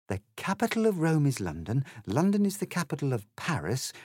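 A man's voice: on the high side, huge pitch swings, a little fast, a little mellow, dry recording, studio quality, pitched above the performer's own voice. A man voicing a confused, indignant little girl in a storybook, speaking primly and earnestly with exclamations. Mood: puzzled.

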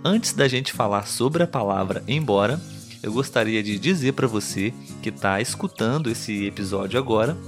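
A man hosting a Portuguese lesson podcast for learners, speaking slowly and clearly, checking in with listeners as he gives examples. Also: lowish voice, expressive, faint music behind. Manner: slow, clear teaching delivery with examples. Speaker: Portuguese tutor and podcast host.

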